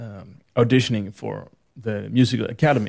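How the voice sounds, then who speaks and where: A man speaks with a Swedish accent. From Sweden. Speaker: jazz pianist. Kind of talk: casual interview. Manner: halting.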